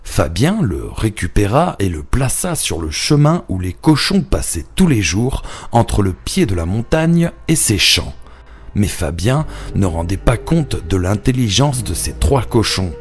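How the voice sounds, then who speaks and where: A man's voice: lowish voice, very animated, unhurried, husky. A man narrating a children's cartoon fable as a scripted storyteller. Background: background music.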